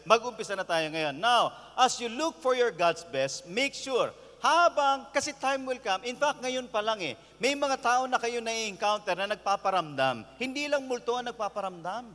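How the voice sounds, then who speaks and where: A Filipino-accented pastor preaching with lively energy, his voice high for a man. He talks straight to the crowd, and his voice rings with long reverb through a big hall at a live event. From Philippines. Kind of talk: sermon at a youth conference.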